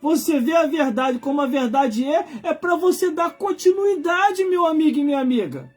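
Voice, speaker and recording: A man's voice: extremely high pitch, lively intonation, moderate pace, soft background music. A man in his forties with a Brazilian accent, preaching informally on a livestream in an emphatic, colloquial way, repeating phrases for effect. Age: 40s. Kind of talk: informal live sermon.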